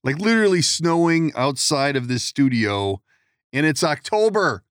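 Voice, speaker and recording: A man's voice: on the high side, sing-song, normal speed, a bit bright, clear, resonant tone, no echo. Joking podcast host guy, bouncy up-and-down voice, talks from his studio, rambles a bit. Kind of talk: casual interview chat. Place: studio in Minneapolis.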